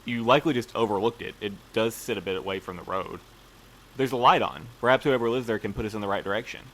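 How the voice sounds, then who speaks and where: A man's voice: fairly low pitch, fast talker, fairly bright tone, rough recording. A man playing a stubborn, by-the-book postmaster in an audio drama, speaking in a formal, politely dry way. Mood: questioning. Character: prim, stubborn male postmaster, a by-the-book boss. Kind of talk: naturalistic audio drama acting.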